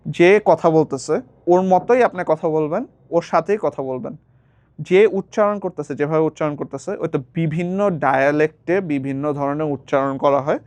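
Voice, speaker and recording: A man's voice: on the high side, a little mellow, no room sound. A young man, casually giving a speaking lesson as a tutor and slipping English phrases into his explanations. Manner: mixes English phrases into his talk, repeats words while explaining.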